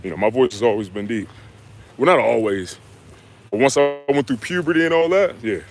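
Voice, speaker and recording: Young man, fitness coach, live stream Q&A, easygoing slang, mid-pitched voice. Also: a little fast. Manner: laid-back, slangy, talks straight to viewers with "y'all" and "man". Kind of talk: live stream Q&A, reading chat comments.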